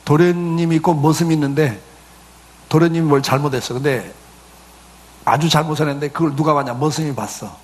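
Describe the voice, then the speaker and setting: A man's voice: on the high side, a little fast. A middle-aged male pastor giving a conversational sermon, full of rhetorical questions and acted-out quotes.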